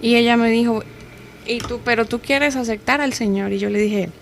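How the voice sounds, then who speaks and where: A woman's voice: a little high, moderate pace, vocal fry, slight background noise. A woman with a Colombian accent telling her personal testimony as a guest on a radio programme.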